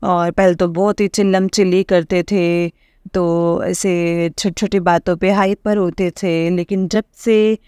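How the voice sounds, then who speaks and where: A middle-aged woman sharing a personal testimony with a congregation, halting and full of pauses and fillers, addressing her listeners respectfully. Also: lowish voice, steady tone, darkish tone, clear, resonant tone, dry recording, studio quality.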